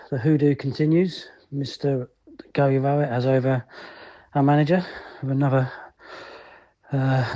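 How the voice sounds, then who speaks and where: A man's voice: mid-range voice, mellow. A man giving a casual, rambling match review as a fan's voicemail, in colloquial language. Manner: colloquial, rambling, frequent "you know". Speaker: fan leaving a voicemail for a podcast.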